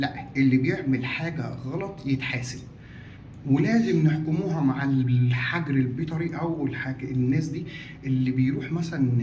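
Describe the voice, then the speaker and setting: Quietly and at a moderate pace, a man with a fairly high pitch and ordinary pitch variation speaks amid noticeable background noise and audible room echo. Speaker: dog trainer and vlogger. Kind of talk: casual vlog monologue. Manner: lowered, quiet voice.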